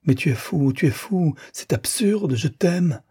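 A man doing a fiery young mistress, husky. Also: on the high side, animated, unhurried, no room sound, clean studio sound, pitched above the performer's own voice, exaggerated voice. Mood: pleading. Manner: sharp retorts turning to desperate pleading. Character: young woman, kept mistress, fiery and pleading.

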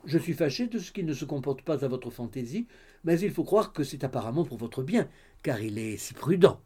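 A man's voice: medium pitch, lively intonation, brisk, a little mellow, breathy edge. A man voicing a pompous middle-aged grocer in an audiobook, speaking in a ceremonious, deferential way. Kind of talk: audiobook character reading.

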